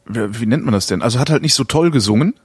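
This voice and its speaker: Man, casual chat, lively up-and-down pitch, searches for words, dry close sound. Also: fast talker, slightly rough, dry recording.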